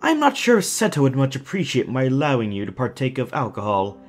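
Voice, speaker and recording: A man's voice: medium pitch, huge pitch swings, fast, faint music behind. A man playing a suave psychopathic villain in an audio drama, courteous and mock-polite, with a faint German accent. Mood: silky menace. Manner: courtly, mock-polite, teasing tag questions. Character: suave, theatrical psychopathic villain, serenely pleasant kidnapper.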